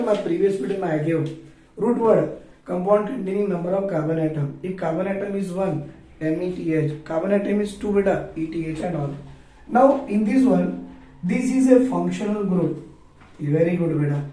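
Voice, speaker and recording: High-pitched South Asian man teaching, very echoey. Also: dark tone. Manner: questioning, repetitive, spelling terms out letter by letter. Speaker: chemistry teacher. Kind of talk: online chemistry lesson. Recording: echoey room, far from mic.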